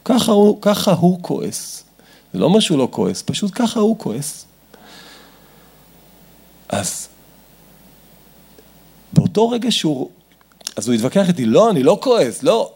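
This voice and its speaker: A man lectures an audience about family relationships, his voice gravelly and somewhat husky. He talks with wide swings in pitch and animated delivery, acting out dialogues as he goes. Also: long pauses.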